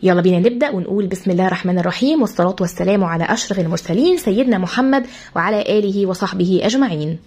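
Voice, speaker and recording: A woman with an Egyptian Arabic accent, an English teacher who explains words to pupils and repeats each one slowly, spelling out how the sounds are said. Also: mid-range voice, darkish tone, slightly rough. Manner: addresses pupils as "kids". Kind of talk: vocabulary lesson for pupils.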